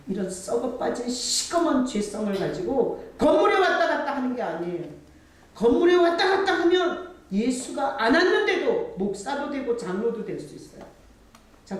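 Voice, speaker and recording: A woman's voice: medium pitch, a little mellow, slight background noise. A woman pastor giving a sermon in a conversational preaching style. She acts out dialogue with God and rises to emphatic points. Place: church sanctuary. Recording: echoey church from a distance.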